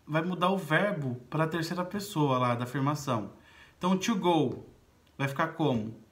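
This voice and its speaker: Brazilian accented man, english teacher, slightly high voice, patient step-by-step explaining. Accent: Brazilian Portuguese. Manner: explains slowly in Portuguese, reading English words and sentences aloud; frequent check-ins to students. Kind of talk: recorded online lesson.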